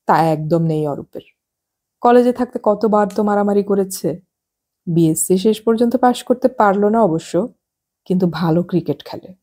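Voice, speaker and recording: A woman narrating a novel as an audiobook in calm, even storytelling. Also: on the low side.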